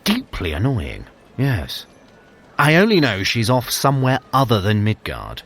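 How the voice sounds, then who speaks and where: Snooty sly trickster god, sarcastic drawl, pitch all over the place, bit breathy, audio play. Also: male voice, huge pitch swings, a little slow, fairly bright tone, full character voice. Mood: disdainful. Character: sly, haughty male trickster god, sardonic brother. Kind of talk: audio drama acting.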